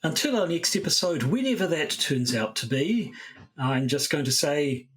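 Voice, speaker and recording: Higher-voiced New Zealand man podcasting. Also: animated, moderate pace, fairly bright tone, breathy edge. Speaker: podcast host. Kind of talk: casual chat.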